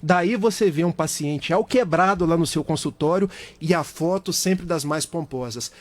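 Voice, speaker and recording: A man's voice: on the high side, moderate pace. A middle-aged Brazilian man with a Brazilian Portuguese accent, a guest speaker on a radio talk show, explaining at length with everyday examples.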